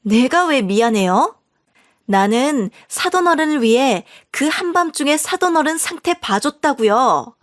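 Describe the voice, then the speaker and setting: A woman's voice: sits high, expressive, unhurried, pitched above the performer's own voice. A woman voicing a rude, shameless young sister-in-law who talks in a brash, entitled way. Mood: defiant.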